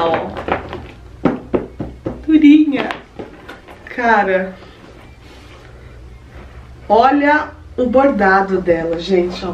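A young Brazilian woman with a Brazilian Portuguese accent, chatting effusively to her viewers in a casual unboxing vlog at home. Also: medium pitch. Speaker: vlogger. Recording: roomy echo, distant mic, faint ambient noise.

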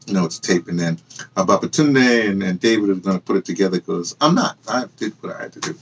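Against a noisy background, a husky, low-pitched man in his sixties talks fast and expressively to camera. An audio dramatist who hosts a personal memoir channel, he tells his story in a casual, rambling monologue full of asides and self-corrections, from a small room lined with bookshelves and hung clothes.

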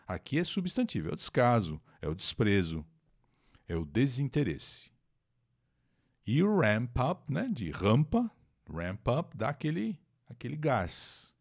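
A man's voice: medium pitch, huge pitch swings, a little slow. A man teaching English to Brazilians on a live stream, with a Brazilian Portuguese accent, reading an article and translating it, repeating words and greeting the chat.

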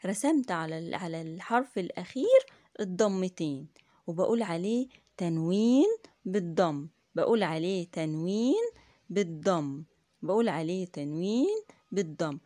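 A woman's voice: on the low side, lively intonation, unhurried, long pauses, a little mellow, dry recording, studio quality. A woman with an Egyptian Arabic accent teaching young children in a classroom lesson, repeating each point patiently, asking the class questions and praising answers. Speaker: primary school teacher.

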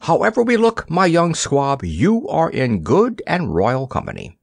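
A man's voice: a little high, wildly swooping pitch, measured pace, creaky, husky, dry recording, clean studio sound, pitched above the performer's own voice, full character voice. Man doing a jolly fat old ship's cook. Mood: coaxing.

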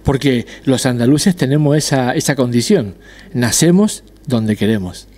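A middle-aged man from Argentina, a restaurant owner and dentist, answering interview questions in a measured way with frequent hesitations. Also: mid-range voice, expressive, a little mellow. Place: decorated restaurant patio. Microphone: handheld interviewer mic.

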